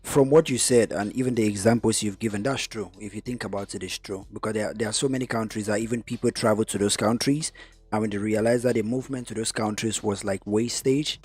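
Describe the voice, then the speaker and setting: A man from Cameroon talking about his business in a podcast conversation, getting animated when he stresses a point. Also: fairly low pitch, brisk, breathy edge. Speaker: guest investor.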